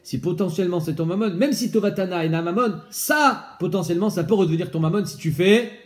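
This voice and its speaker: Lively man teaching a Talmud lesson. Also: high voice, quick pace. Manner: lively, explains by asking questions, mixes in Hebrew and Aramaic terms. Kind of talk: casual Talmud study lesson.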